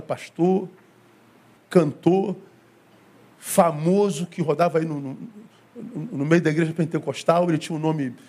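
This man's voice is a little high, gravelly and a little mellow, with a Brazilian Portuguese accent. He is a pastor preaching a sermon, telling a story through acted-out dialogue and plenty of repeated phrases.

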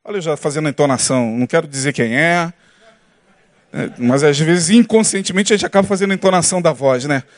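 A man's voice: fairly high pitch, fast talker, no room sound. A man with a Brazilian Portuguese accent preaching a sermon as pastor, peppering the congregation with rhetorical questions. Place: church service with congregation.

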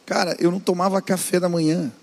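A man's voice: sits high, flat delivery, quick pace, vocal fry, long reverb tail. A man, a pastor, preaching earnestly on family life and urging the listener directly.

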